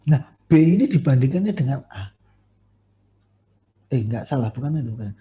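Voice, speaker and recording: A man's voice: mid-range voice, animated, normal speed. A man lecturing on staff appraisal, conversational, with many fillers and self-corrections. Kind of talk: recorded university lecture. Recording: dull lo-fi recording.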